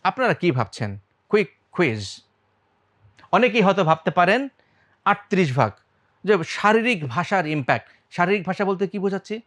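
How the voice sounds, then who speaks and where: Lively Bangladeshi man teaching public speaking. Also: high-pitched, brisk. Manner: quizzes the audience, shifts loudness and speed on purpose; mixes English words into his talk. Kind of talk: lively talk to the audience.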